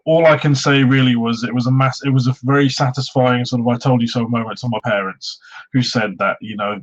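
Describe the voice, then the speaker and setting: A soft-spoken man raised in Wales, a Pokemon YouTuber, appears as a guest in a casual interview chat, sounding modest and hesitant with lots of ums. His voice is medium-pitched, and the audio is dull and lo-fi.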